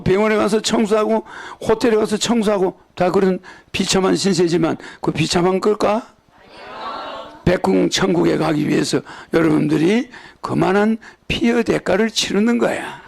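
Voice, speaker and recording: A man's voice: high voice, gravelly. An older man with a Gyeongsang accent, preaching a sermon as a religious leader in a rambling way, often checking in with his listeners through tag questions. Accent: Gyeongsang Korean. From Gyeongsang region, South Korea.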